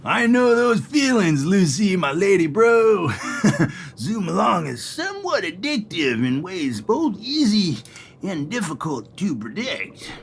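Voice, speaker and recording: An actor playing a chummy man calling in from the wasteland, who gets loud when he feels wronged. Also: sits high, sing-song, takes it slowly, creaky, breathy edge, full character voice. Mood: friendly. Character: friendly, excitable wasteland man, caller.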